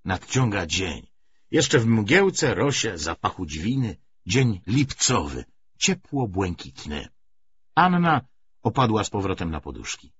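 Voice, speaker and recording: A man narrating a literary audiobook in an expressive, scripted reading style. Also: lowish voice, slow pace, breathy edge, lo-fi sound.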